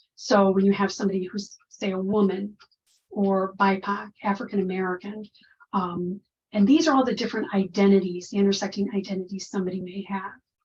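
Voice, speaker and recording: A woman with a somewhat breathy voice speaks at medium pitch and a moderate pace. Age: 60s. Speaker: counseling professor. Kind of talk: webinar lecture.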